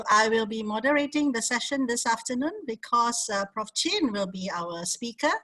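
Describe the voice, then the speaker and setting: A woman's voice: medium pitch, bright, forceful tone, husky, poor audio. A woman moderating an online talk over a video call, welcoming the audience with many fillers.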